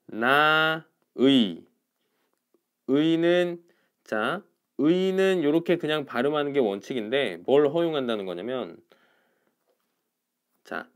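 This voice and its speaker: Male teacher for an online lesson, patient step-by-step explainer, animated pitch. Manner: explains step by step, asks "알겠죠?" and "그쵸?" after each point. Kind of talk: online class lecture. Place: indoors, recording alone for an online class.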